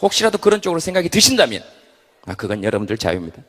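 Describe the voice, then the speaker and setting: A man giving a comedic stage talk to a live audience, an animated storyteller who acts out the voices he quotes. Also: on the high side, rapid-fire. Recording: long hall reverb.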